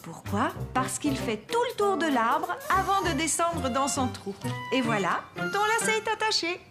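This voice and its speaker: High-voiced, gentle cartoon mother. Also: very animated, moderate pace, music in the background. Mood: patient, encouraging. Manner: encouraging, explains step by step. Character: gentle, patient young mother of small children. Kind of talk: children's cartoon dub acting.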